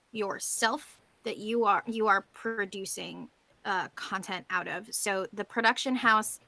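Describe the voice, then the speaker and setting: A woman's voice: medium pitch, bright, forceful tone, no room sound. A woman on a discussion panel, talking conversationally and picking through her points with care.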